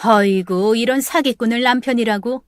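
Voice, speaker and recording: A woman's voice: on the high side, normal speed, clear, resonant tone, dry recording, studio quality, lightly acted. A woman voicing a group of angry middle-aged neighborhood women who speak harshly and with scorn. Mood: scornful.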